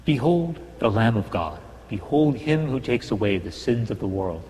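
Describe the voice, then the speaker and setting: A male priest reciting the Mass prayers in a large church, in a measured, solemn way. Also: fairly low pitch, animated, darkish tone. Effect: cathedral echo, long reverb. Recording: long cathedral reverb with a faint hum.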